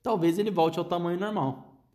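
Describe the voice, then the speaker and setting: A man's voice: sits high, fairly even intonation, a little fast, warm tone, pitched above the performer's own voice, lightly acted. A man voicing an eccentric, unflappable chocolate-maker in a read-aloud story, rattling things off breezily. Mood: breezy.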